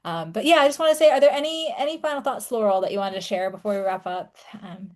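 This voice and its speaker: A woman's voice: mid-range voice, quick pace, darkish tone. A woman hosting a podcast in a casual interview chat, speaking informally with lots of "like". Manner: informal, peppered with "like". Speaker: podcast host.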